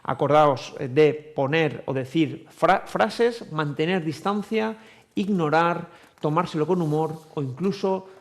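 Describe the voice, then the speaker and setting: A man speaking as a psychologist in a television interview, explaining patiently with examples and frequent pauses on "eh". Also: on the high side. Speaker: psychologist guest.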